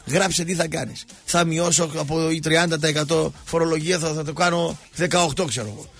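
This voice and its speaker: A man hosting a sports talk show, ranting sarcastically and mocking people, going from loud outbursts to low muttering. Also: fairly even intonation, gravelly, soft background music. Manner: sarcastic, mocking, switches between shouting and muttering. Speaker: radio sports talk host. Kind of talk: ranting monologue.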